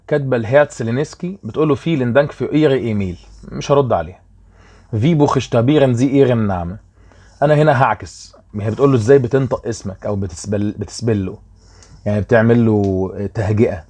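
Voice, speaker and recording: A man's voice: mid-range voice, darkish tone. Chatty Egyptian male language teacher. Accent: Egyptian Arabic. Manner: chatty, keeps checking if students follow. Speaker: German teacher. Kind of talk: explaining a worksheet.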